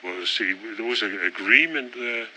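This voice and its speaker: A man's voice: fairly low pitch, lively intonation, moderate pace, bright, forceful tone, slight background noise. A man, a scientist, explaining in a hesitant, explanatory way.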